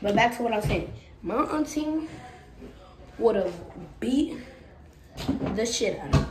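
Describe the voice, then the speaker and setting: With noticeable background noise behind her, a woman talks at a moderate pace, her pitch varying in an ordinary way. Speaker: vlogger. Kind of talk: casual vlog chat. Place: home room. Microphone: phone near.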